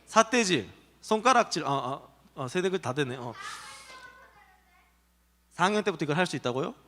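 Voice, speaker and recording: A man pastor telling a Bible story to children, animated and asking them questions. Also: a little high, moderate pace. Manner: animated, asks children questions and acts out voices. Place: church children's worship hall. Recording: reverberant hall.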